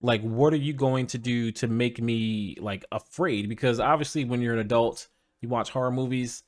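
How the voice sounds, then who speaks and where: A man with a middling voice runs a relaxed podcast conversation. He is easygoing and agreeable and laughs often as he chats. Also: mid-range voice, normal speed. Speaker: podcast host. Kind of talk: casual podcast chat.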